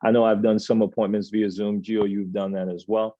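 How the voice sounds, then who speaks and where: A man in his thirties runs through announcements at an office team meeting, talking in a loose, chatty way full of ums and uhs. His voice is low and mellow. The recording is dull and dry, picked up by a camera across a small office room. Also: fairly quick, no room sound. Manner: relaxed, many filler sounds, chatty. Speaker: agency meeting host.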